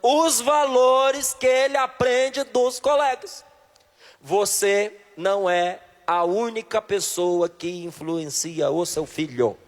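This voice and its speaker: A man's voice: sits high, slow pace. A man from Brasília with a Brasília accent, preaching a sermon and questioning a live audience directly and emphatically. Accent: Brasília Portuguese. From Brazil, Brasília. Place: large hall with a live audience. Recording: long reverb of a large hall.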